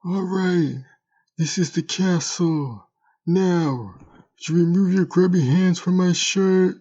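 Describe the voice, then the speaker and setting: Man playing a slow, sly internet troll creature. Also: high voice, dark tone, dull audio. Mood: indignant. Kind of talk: audio drama character acting.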